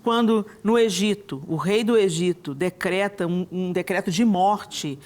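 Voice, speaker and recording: A woman hosting a television talk show, speaking with enthusiastic energy in a studio. She restarts her sentences often and leans on little tag questions, with a voice of medium pitch. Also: unhurried, a little mellow.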